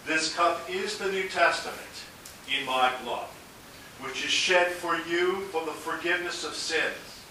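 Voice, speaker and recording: A man serving as pastor, reciting a solemn liturgical prayer at a measured pace in a large church with a cathedral echo. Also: on the high side, pushed and bright. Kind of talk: liturgical prayer and words of institution. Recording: cathedral echo, distant mic, faint hiss.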